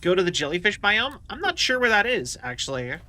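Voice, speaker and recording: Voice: mid-range voice, sing-song, brisk, bright, forceful tone. A game streamer giving casual live commentary, rambling and thinking aloud while playing. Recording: clear game noise behind voice.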